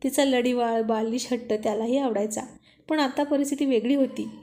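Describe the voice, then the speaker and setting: A woman narrates a romance story with a slightly high voice. Her reading is intimate and unhurried, in a plain storytelling style. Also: fairly even intonation, dark tone.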